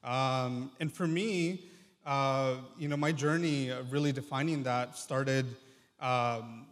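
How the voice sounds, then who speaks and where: Twenty-something guy from mexico telling his story, lots of ums, reverby church sound. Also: medium pitch. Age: 20s. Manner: earnest and reflective, many ums and pauses. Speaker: guest speaker, medical student. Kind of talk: personal testimony. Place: church sanctuary.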